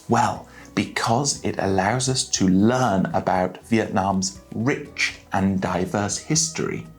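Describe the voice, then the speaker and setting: A man teaching a spoken English lesson with enthusiasm, praising each useful phrase and speaking clearly and deliberately. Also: lowish voice.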